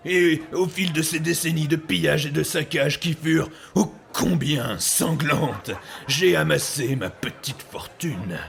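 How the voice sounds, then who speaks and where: A man playing a boastful, luckless pirate captain in an audio drama, with a gravelly voice and a pompous, theatrical delivery. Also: on the high side, unhurried, a bit bright. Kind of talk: French audio drama acting.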